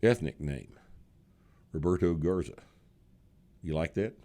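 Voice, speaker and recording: A man's voice: low voice, lively intonation, a little slow, dark tone. A man in his sixties hosting a podcast, chatting in a blunt, sarcastic, joking way. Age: 60s. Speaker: podcast host. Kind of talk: casual chat.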